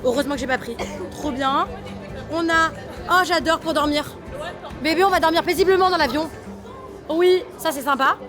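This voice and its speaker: Bubbly woman vlogger, high bright voice, chatty and playful, music and crowd noise behind. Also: normal speed, pauses often. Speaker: vlogger host. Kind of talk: casual vlog chat.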